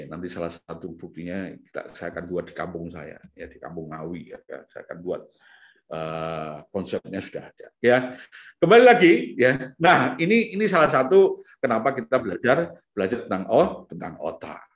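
A man lectures parents and teachers in an informal seminar. He rambles through fillers and restarts, then climbs to sharp emphatic peaks. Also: low-pitched.

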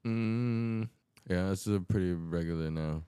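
Low, smooth man talking casual Spanglish. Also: slow pace, mellow, no echo. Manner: Spanglish, switching between English and Spanish. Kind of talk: casual podcast banter.

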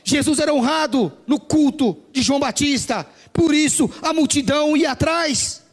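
A man's voice: extremely high pitch, normal speed. A man preaching a sermon, emphatic, stretching out stressed words.

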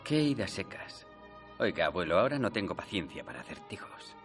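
An actor playing a brash, sarcastic inventor, in a film dub. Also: male voice, deep voice, sing-song, fairly quick, fairly bright tone. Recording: film soundtrack with faint music.

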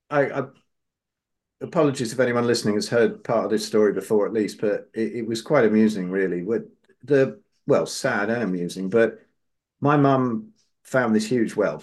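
A man hosting a podcast, telling a long personal story casually, his voice jumping up when he quotes others. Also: lowish voice. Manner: animated, rises sharply when quoting others. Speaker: podcast host.

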